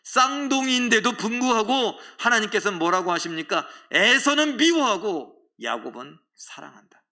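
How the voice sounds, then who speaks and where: Male pastor, preaching, high voice, lots of rhetorical questions, slips into character voices. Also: big pitch swings, normal speed, sharp tone. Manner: asks the congregation rhetorical questions; acts out biblical characters in dialogue. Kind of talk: sermon at a Friday prayer service.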